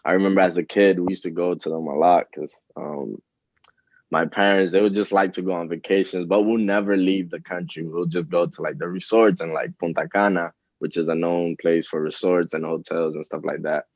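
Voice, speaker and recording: Very deep-voiced young man, relaxed. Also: a little fast, no echo. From Dominican Republic. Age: 20s. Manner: relaxed, hesitant, many fillers and restarts. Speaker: rapper, interview guest. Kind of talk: casual interview answers. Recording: dull, lo-fi, dry sound.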